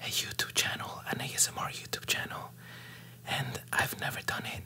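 Someone whispers at a moderate pace. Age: 20s. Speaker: ASMR creator. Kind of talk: casual talk to camera. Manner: out of breath. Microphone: studio mic.

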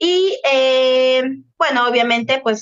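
Over a quiet background, a woman speaks with ordinary pitch variation in a dry sound with no echo. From Mexico. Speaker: public health official presenting standards; public presenter. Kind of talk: formal presentation and moderation. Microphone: webcam.

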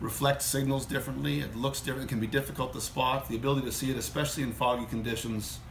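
A man talks very fast with hardly any pauses and ordinary pitch variation. Light background noise and audible room echo are present. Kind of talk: guided tour explanation. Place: boat. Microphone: phone near.

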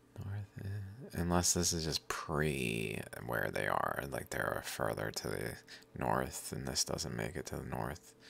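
Very deep and low, a man's voice moves at a very slow pace. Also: lively intonation. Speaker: video commentator. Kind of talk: casual commentary. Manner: rambling, profane. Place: home room.

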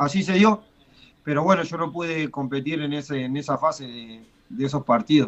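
At a moderate pace, a man with a fairly high pitch and ordinary pitch variation swings widely in loudness. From Argentina, Santa Fe. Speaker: professional footballer. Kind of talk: casual chat. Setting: video call. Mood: calm, reflective. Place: home room. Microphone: video call.

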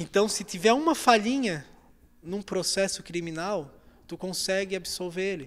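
A high-pitched man with a Florianópolis accent, at a fairly slow pace. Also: ordinary pitch variation, big swings in loudness. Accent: Florianópolis Portuguese (manezinho). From Florianópolis, Brazil; Brazil. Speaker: criminal lawyer. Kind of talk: TV interview. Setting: TV studio. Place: studio. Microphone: handheld.

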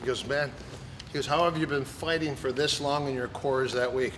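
Very fast talk from a man, with light background noise behind it. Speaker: coach at a seminar. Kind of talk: seminar talk with anecdote. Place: gym. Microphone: camera far.

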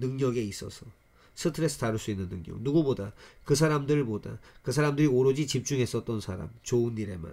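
This man talks in an animated tone at a fairly quick pace. His pitch is medium and his intonation lively. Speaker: English teacher. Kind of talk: lecture.

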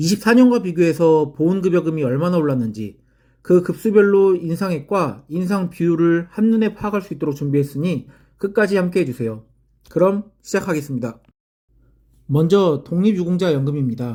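At a moderate pace, a man speaks in a high pitch with a dark, mellow tone and lively intonation. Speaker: YouTuber explaining veterans' benefits. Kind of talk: informational tutorial. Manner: measured, explanatory.

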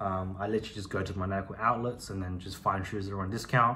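The pace is fairly quick, with a bright, sharp tone and fairly even intonation. Light background noise can be heard. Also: man. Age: 20s. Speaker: vlogger. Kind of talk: casual monologue to camera. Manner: rambling, filler-heavy. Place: home room. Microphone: phone near.

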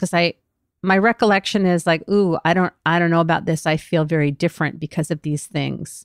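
In an ordinary speaking voice, a woman talks at a fairly quick pace with a fairly low pitch and ordinary pitch variation, on a very clean recording with a silent background and a dry, close sound with no echo. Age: 60s. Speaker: podcast host and therapist. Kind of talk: casual interview chat.

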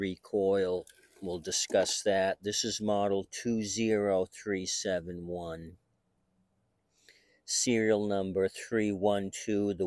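A man's fairly low, monotone voice with flat intonation, dry and echo-free against a quiet background. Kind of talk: casual repair commentary. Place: garden. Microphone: phone near.

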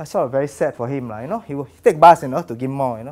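Here a man speaks in a Singaporean accent. His pitch is fairly high. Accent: Singaporean English (Singlish). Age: 50s. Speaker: banker speaking at public forum. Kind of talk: public forum talk. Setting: stage with audience. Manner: halting. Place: meeting room. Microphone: lapel.

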